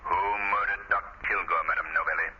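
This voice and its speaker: An actor playing a shrewd gentleman detective in 1930s radio style, urbane, deliberate and commanding. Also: low voice, steady tone, close to an everyday voice. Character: shrewd gentleman detective who poses as unseen avenger. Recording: noisy, dull 1930s radio recording.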